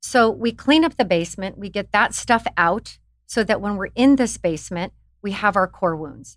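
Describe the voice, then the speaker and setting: On a very clean recording with a silent background, a woman with an American accent speaks in a plain, everyday voice at a medium pitch and moderate pace, with lively intonation. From Colorado, US. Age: 50s. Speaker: psychologist. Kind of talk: interview.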